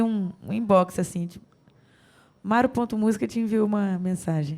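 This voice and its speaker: A woman with a Brazilian accent speaks at a moderate pace in a fairly high pitch, her dark, mellow tone carrying ordinary pitch variation. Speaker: singer-songwriter. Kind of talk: interview.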